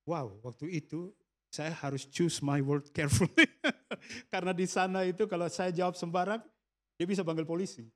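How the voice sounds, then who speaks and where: In a church service hall, a pastor with an Indonesian accent preaches a sermon built around a personal story, mixing English phrases into his talk and softly acting out quoted dialogue. His voice sits high, with fairly even intonation at a normal speed.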